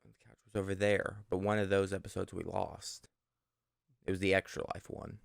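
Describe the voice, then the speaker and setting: A man's voice: low-pitched, little pitch movement, moderate pace, gravelly, no echo, clean studio sound. A young man co-hosting a casual podcast from his living room, telling stories in a rambling, self-correcting way. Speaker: podcast co-host.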